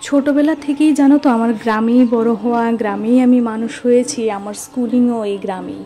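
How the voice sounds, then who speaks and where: A woman's voice: a little high, fairly even intonation, quick pace, loud music behind the voice. A young woman narrates a personal vlog casually, chatting straight to her viewers with little tag questions. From rural Tripura, India. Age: young adult. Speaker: vlogger.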